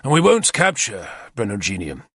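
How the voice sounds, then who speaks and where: A man reading as a bold warlord full of fight, his voice lifted and lively as he drives home his plans. The tone is bright and forceful, and it sounds dry and close to the mic. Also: lowish voice, normal speed, dry recording, exaggerated voice. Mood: commanding. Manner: energetic, decisive, commanding. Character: bold confident male warlord commander.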